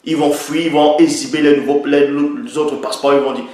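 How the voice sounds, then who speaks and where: A man's voice: fairly high pitch, fairly even intonation, fairly quick, darkish tone. A man with a slightly raised voice delivers an emphatic opinion monologue, drawing on Bible passages and repeating key lines for stress. His voice rings out in a heavily echoing room. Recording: very echoey room.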